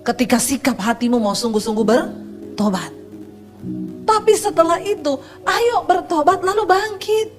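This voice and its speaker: Woman pastor, middle-aged, high voice, animated preaching, soft music underneath. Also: measured pace. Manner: lively preaching with storytelling and humor. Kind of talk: sermon.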